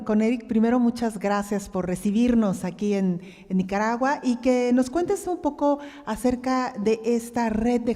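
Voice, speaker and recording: A woman's voice: fairly high pitch, warm tone. A woman moderating a panel courteously, introducing and prompting guests in a polite style. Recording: long reverb of a hall.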